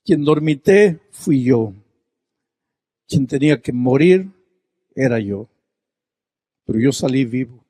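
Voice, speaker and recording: A man voicing a grieving, remorseful middle-aged man who speaks low, hushed and halting. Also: lively intonation, no room sound. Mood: grief-stricken.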